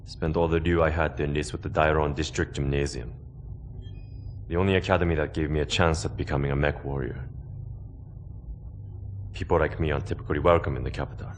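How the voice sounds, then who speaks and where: An extremely deep male voice of a hard-bitten soldier, plain-spoken and wry in a game drama. Faint noise is behind it. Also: fairly even intonation, a little fast, pauses often. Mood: wry, serious. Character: hard-bitten male mech pilot from a poor background. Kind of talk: dramatic game cutscene acting.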